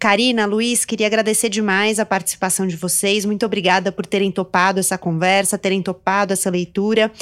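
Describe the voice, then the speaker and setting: The speech moves at a fairly quick pace with hardly any pauses, very even loudness, and monotone, flat intonation. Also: woman, medium pitch for a woman, very clean recording, silent background. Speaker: podcast host, book club. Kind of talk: casual chat.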